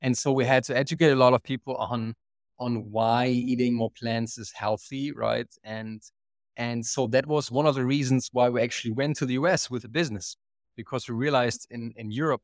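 A man's voice: medium pitch, steady tone, normal speed, no echo, studio quality. A man from Germany with a German accent, a company co-founder telling his story in a casual interview, earnest and full of restarts. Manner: earnest, many restarts and repeated words. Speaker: guest, company co-founder and CEO.

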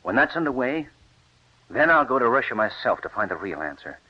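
An actor playing a determined wheat scientist who speaks in a driven, persuasive way, in an old radio drama. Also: male voice, medium pitch, sing-song, fairly quick. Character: determined wheat scientist husband, middle-aged man. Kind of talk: 1940s radio acting. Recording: dull lo-fi old radio recording.

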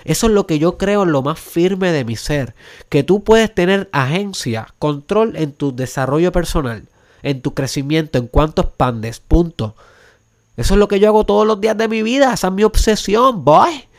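A man's voice: sits high, animated, normal speed. A man from Puerto Rico with a Puerto Rican accent, hosting a motivational podcast monologue in an emphatic style, building to urgent questions and dropping English words into his Spanish. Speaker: podcast host.

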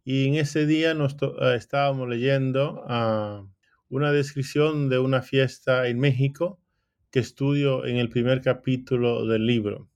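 A man, a professor and author, answering interview questions with hesitant pauses and restarts. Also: medium pitch, steady tone, a little mellow, smooth. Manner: hesitant, many fillers and restarts.

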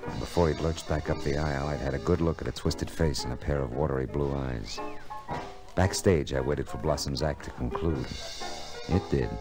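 An American actor playing a wry, terse private detective in old-time radio drama style. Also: male voice, rumbling low, normal speed. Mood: dry, narrating. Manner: terse, dry, sardonic. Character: hard-boiled, wry private detective, unflappable and needling. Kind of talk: 1940s-50s radio detective acting and narration. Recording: vintage radio drama with music.

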